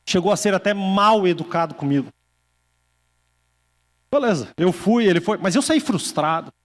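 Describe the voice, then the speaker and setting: A male pastor preaching a sermon, telling stories, acting out quoted voices and slowing down for emphasis. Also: high-pitched, expressive, big-room sound. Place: church hall.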